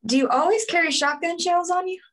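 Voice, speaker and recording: A woman's voice: extremely high pitch, brisk. A woman reading a wry young gunslinger. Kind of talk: table read.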